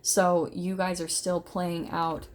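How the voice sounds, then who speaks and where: A woman's voice: fairly low pitch, level tone, takes it slowly, a little hiss or hum. A woman giving a casual, unscripted tarot reading, talking informally and directly to her viewers with emphatic, conversational phrasing. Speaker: tarot reader, host of an online reading.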